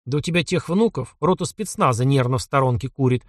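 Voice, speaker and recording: Exasperated young officer, read by a man, grumbling and weary, with a lively rise and fall in his voice. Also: medium pitch, brisk, dry recording, clean studio sound, natural voice. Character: young male officer, exasperated reluctant grandson.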